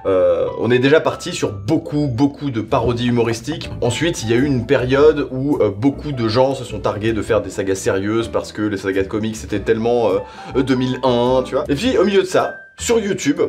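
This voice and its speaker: A man's voice: medium pitch, lively intonation, a little fast, darkish tone, faint music behind. A man giving a slangy, casual spoken review, rambling conversationally and repeating himself for emphasis. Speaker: reviewer presenting audio series.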